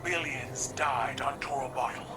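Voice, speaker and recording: An actress playing a proud, stern alien warrior empress in a video game, speaking in a regal, formal, declarative way. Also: female voice, a bass voice, takes it slowly, distant mic, noisy background. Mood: grave, defiant. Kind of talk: scripted video game dialogue.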